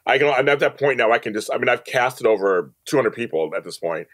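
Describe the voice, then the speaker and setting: Animated man chatting in an interview. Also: mid-range voice, quick pace. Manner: animated, emphatic, repeats phrases, acts out quotes. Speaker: podcast guest, audio drama producer and director. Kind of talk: casual interview chat.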